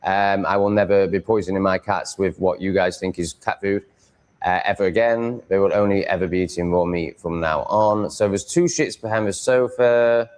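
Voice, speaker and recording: Man, Yorkshire accent, lowish pitch, casual rambling livestream talk, blunt, sweary manner. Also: normal speed. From Yorkshire, England. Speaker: livestream host.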